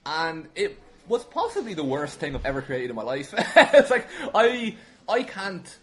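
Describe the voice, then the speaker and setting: A young Irish man telling casual stories as a guest, animated, self-deprecating and sweary. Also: on the high side, measured pace. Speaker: podcast guest, wrestling commentator.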